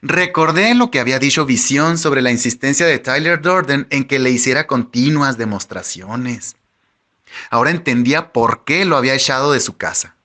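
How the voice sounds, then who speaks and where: Bright-voiced man narrating an audiobook. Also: medium pitch. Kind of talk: first-person audiobook narration.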